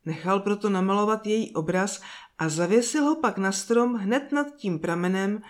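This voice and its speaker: A woman narrating a fairy tale in a slow, soft storytelling manner with drawn-out pauses. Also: mid-range voice.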